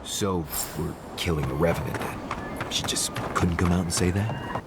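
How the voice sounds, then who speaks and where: A man's voice: sits low, measured pace, heavy background noise. An actor playing a sardonic male adventuring companion with a dry, wry delivery. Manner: deadpan sarcasm, wry. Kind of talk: video game character dialogue.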